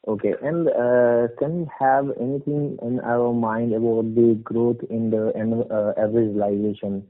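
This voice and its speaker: A man asking questions in a halting way as an individual investor on an earnings call. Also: mid-range voice, steady tone. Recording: narrow phone line.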